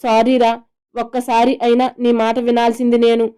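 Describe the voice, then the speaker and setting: A woman's voice: on the high side, monotone, moderate pace, mellow, clean tone, close to an everyday voice. A woman voicing a remorseful, eager young husband in a romantic audio story, speaking earnestly.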